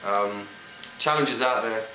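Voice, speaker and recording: A man's voice: on the low side, slow, sharp tone, echoey room, a little hiss or hum, low-quality recording. A man with a London accent, an actor chatting casually with loose fillers as he shows off his accents. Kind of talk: casual accent showcase monologue.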